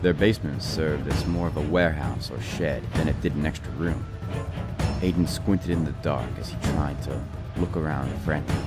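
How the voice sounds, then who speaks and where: A man's voice: a bass voice, moderate pace. A man narrating a scripted horror audiobook in a dramatized, storytelling style. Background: music.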